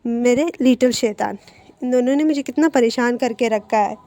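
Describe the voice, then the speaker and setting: A firm, motherly middle-aged woman speaks with fond sternness. Her voice is fairly high but warm and mellow, as a woman narrator puts her on. It belongs to a storybook retelling. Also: normal speed, close to an everyday voice.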